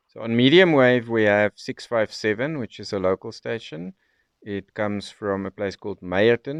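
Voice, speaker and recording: Low, smooth South African man reviewing. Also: no echo. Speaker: radio reviewer. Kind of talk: unscripted product review demonstration.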